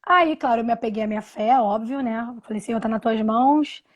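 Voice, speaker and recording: Woman in her 30s, pretty high voice, keeps restarting her sentences, home video call. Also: highs cut off. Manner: halting, many restarts and repeated words. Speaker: interview guest. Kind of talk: personal story on a live video call.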